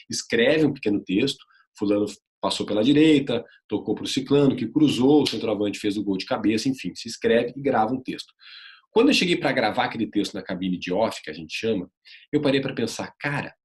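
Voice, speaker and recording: A man with a Brazilian Portuguese accent and a slightly low voice teaches would-be sports journalists in an earnest, coaching tone. He talks straight to the viewer, mixing career anecdotes with practical advice on vocal technique. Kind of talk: online video lesson, first-person anecdotes.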